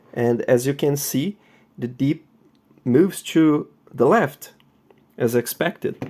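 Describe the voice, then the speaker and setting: With a non-native accent, a man talks very slowly in a fairly high voice with a dark, mellow tone, ordinary pitch variation, and long, frequent pauses. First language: not English. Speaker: amateur radio hobbyist. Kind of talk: tutorial. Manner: halting.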